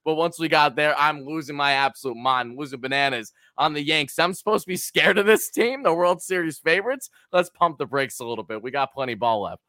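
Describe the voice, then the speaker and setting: A man with a raspy, hoarse voice co-hosting a sports podcast, chatting casually in an excitable, hyperbolic way. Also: on the high side, fairly quick, hardly any pauses, no echo, clean studio sound. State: hoarse from screaming.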